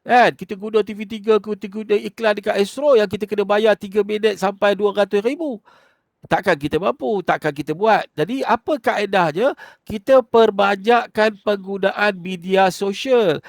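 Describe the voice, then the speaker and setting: A man with a Malaysian Malay accent and a notably high speaking voice, explaining sales steps to trainees. He talks conversationally, often pausing on fillers and restarting words. The sound is dry and close, with no room echo. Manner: conversational, explains step by step, many fillers and self-corrections. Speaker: online marketing trainer. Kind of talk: instructional talk.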